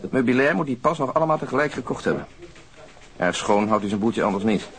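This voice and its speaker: An actor playing a matter-of-fact, methodical police detective in a radio drama. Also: male voice, mid-range voice, animated, quick pace, fairly bright tone, slightly rough. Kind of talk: naturalistic Dutch radio drama acting.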